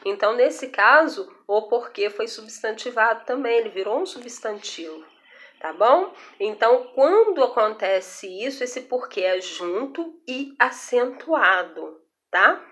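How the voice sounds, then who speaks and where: A woman's voice: a little high, lively intonation, measured pace, fairly bright tone. A young Brazilian woman teacher explaining a grammar lesson in a recorded video, patiently and with frequent check-ins to her students. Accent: Brazilian Portuguese. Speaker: Portuguese teacher.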